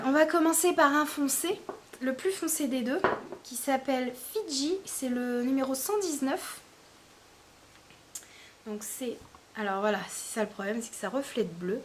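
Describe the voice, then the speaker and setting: A high-pitched woman talks through a casual beauty review. She speaks in a chatty, hesitant way, full of fillers and small restarts, with faint room ambience behind her. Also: slight background noise. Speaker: beauty vlogger.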